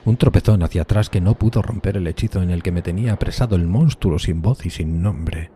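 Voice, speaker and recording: A man's voice: sits low, fairly quick, warm tone, slight background noise, lightly acted. A man playing a lonely, horrified undead outcast who tells his tale in a solemn, anguished, theatrical horror audiodrama style, drawing out emphatic words. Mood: anguished, dazed. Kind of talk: dramatic gothic horror audiodrama narration.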